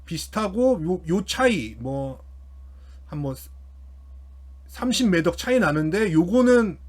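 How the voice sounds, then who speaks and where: A man's voice: high voice, sing-song, slow pace. A man giving casual explanatory financial commentary as an online host, informally thinking aloud as he works through figures. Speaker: YouTube host commenting on company earnings.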